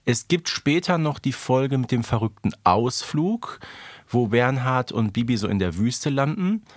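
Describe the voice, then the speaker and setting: A man's voice: medium pitch, expressive, measured pace, no echo. A man co-hosting a podcast, recapping stories in a chatty, colloquial way with tag questions. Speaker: podcast co-host. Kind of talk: casual conversational recap of an audio drama series.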